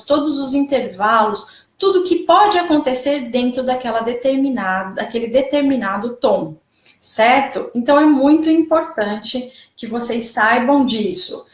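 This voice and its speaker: A woman's voice: high voice, expressive, unhurried. Chatty woman teaching voice, echoey room. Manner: didactic, checks in often with "né?" and "certo?". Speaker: singing teacher. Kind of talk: online music theory lesson.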